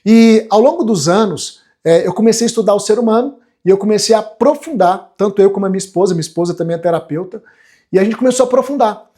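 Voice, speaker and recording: A Brazilian man in his forties, a self-development coach, hosts a motivational online class, his high-pitched voice moving fast with a warm tone. He speaks earnestly and emphatically to viewers in this live lecture, often checking that they agree.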